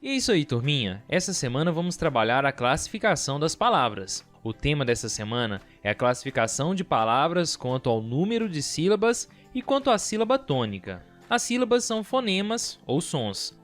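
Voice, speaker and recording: Lively young man teaching children. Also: a little high. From Brazil. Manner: lively, sing-song teacher's voice for kids. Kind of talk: lesson video for children.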